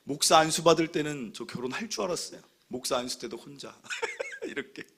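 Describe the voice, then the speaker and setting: A man in his thirties, a pastor preaching a sermon, telling stories with animated humor and acting out what other people say. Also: a little high, fairly quick, a little hiss or hum. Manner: acts out other people's remarks.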